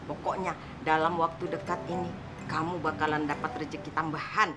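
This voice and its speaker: A woman's voice: low-pitched, flat delivery, a little fast, very noisy, close to an everyday voice. An actress playing a brash, cheeky older beggar woman with officious airs and a Jakarta accent in a sitcom. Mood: sly, knowing. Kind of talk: sitcom acting. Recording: loud music and crowd behind voice.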